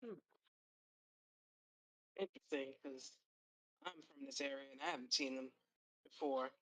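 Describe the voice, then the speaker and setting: A woman's voice: very deep voice, sing-song, a little slow, gravelly, low-quality recording. A woman playing in a tabletop game, speaking in a musing, hesitant way that trails off. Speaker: player. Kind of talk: tabletop role-play chat.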